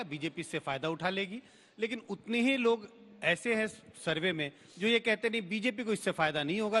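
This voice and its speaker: A man political analyst on a TV panel, speaking in a measured way with some thinking fillers. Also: on the high side, a bit bright, in a large hall.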